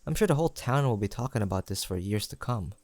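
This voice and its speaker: A man acting an affectionate young best friend in an intimate audio roleplay. His voice sits fairly low and is recorded close and dry. He chats gently and sincerely, with a playful, teasing streak. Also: animated, quick pace, no room sound, lightly acted. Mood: playful, fond. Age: young adult.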